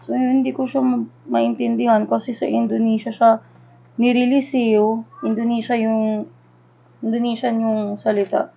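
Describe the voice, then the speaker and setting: Woman, thirties, Filipino accent, fairly high voice, nostalgic casual vlog chat, dull lo-fi recording. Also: little pitch movement, moderate pace, vocal fry, pauses often. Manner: nostalgic, informal, conversational. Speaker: vlogger unboxing a collectible. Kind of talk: casual chatty Taglish vlog. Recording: dull lo-fi sound.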